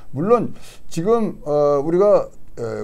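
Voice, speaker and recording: The speaker is a man. His tone is dark and mellow. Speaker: economic adviser; guest. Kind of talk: market analysis talk show interview. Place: studio. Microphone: lapel.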